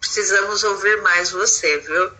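A woman's voice: mid-range voice, unhurried, sharp tone, poor audio. A woman in an online group chatting casually and enthusiastically over a video call. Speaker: group member.

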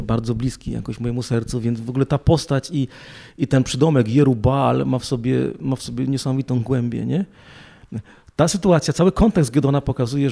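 A man with a dark, gravelly voice talks through a spiritual theme in easy conversation. He keeps checking in with a tag question after nearly every phrase, and retells stories in an animated way. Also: mid-range voice. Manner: animated retelling with acted quotes. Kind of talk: casual religious discussion.

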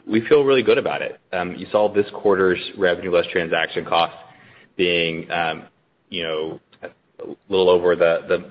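A man, a company finance executive, answering questions on an earnings call in a halting way, often repeating words. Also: low-pitched, slight background noise. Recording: dull lo-fi conference call audio.

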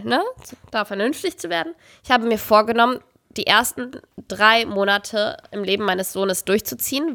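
A woman's voice: medium pitch, dry recording. Chatty young woman on a dry mic. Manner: chatty, animated storytelling with laughter. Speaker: podcast co-host. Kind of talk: casual chat.

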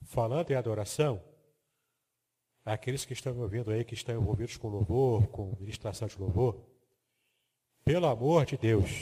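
A man's voice: medium pitch, warm tone, slightly rough, long reverb tail. A man teaching the Bible from slides, explaining terms step by step and checking that the listener follows. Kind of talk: biblical teaching lecture with slides.

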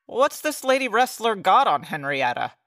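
A woman's voice: medium pitch, big pitch swings, normal speed, a bit bright, no echo, clean studio sound. An actress playing an earnest, anxious woman in a noir mystery, urgent and melodramatic in old-time radio style. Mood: anxious questioning.

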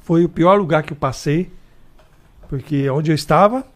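A high-pitched man tells stories in a casual chat. He slips into other people's voices, jumping sharply up in pitch when he does. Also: normal speed. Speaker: guest telling stories.

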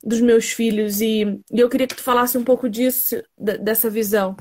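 A woman, an interviewer asking slow, reflective questions. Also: a little high, steady tone, mellow.

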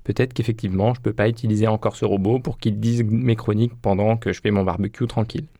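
A man's voice: on the low side, steady tone, fast, gravelly, mellow. A man presenting a casual radio chronicle, jokey and self-mocking with frequent laughs, into a studio microphone. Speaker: podcast columnist.

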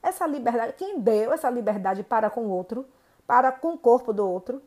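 A woman, telling a personal story to viewers in an indignant, animated way. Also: fairly high pitch, fairly quick. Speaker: vlogger.

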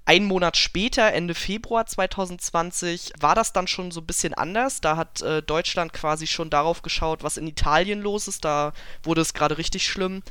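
A young woman co-hosting a podcast, talking casually and relaxed with an easy laugh. Her voice is smooth and clean, and it sits in a dry, close-sounding recording. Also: lowish voice, moderate pace, few pauses, no echo. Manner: relaxed, chatty, with frequent laughs. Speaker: podcast co-host.

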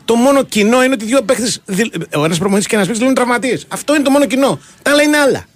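A man's voice: very high voice, expressive, dry recording. A man, co-hosting a sports radio show, arguing his case in casual chat and piling up examples. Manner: argumentative, piles up examples and restarts.

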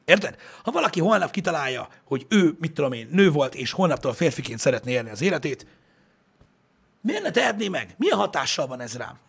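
A man with a gravelly, husky voice, slightly high, rants bluntly and swears freely in a casual chat. His pitch jumps about a great deal as he gets worked up. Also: sing-song, fairly bright tone. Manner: blunt and profane, heated ranting.

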